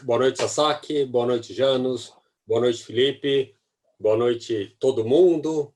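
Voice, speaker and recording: A middle-aged man, a professor and marketing executive, introducing himself on an online panel in an animated way with light jokes. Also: mid-range voice. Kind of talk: self-introduction on a webinar panel. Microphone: video call.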